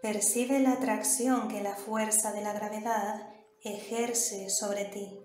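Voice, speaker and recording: A woman with a Canary Islands Spanish accent leads a guided meditation in a slow, level voice that barely rises or falls. She gives soft, calm instructions with long pauses, in a roomy, echoey recording with faint music underneath. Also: mid-range voice, slight background noise. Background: soft background music.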